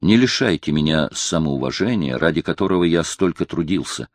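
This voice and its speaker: A man's voice: a bass voice, animated, a little fast, no room sound. A man voicing a devout, loyal counselor pleading fervently with his friend, in an audiobook reading.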